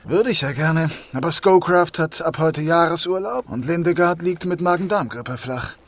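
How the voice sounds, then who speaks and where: A man's voice: fairly high pitch, normal speed. A man playing a weary, dry, sceptical police detective inspector in a crime audio drama. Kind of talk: naturalistic radio play acting.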